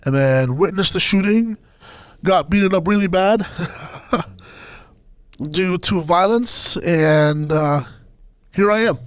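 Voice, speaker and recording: A man from Sudan speaking as a podcast guest, telling his personal story in a halting, hesitant way. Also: high voice, clear, resonant tone, no room sound.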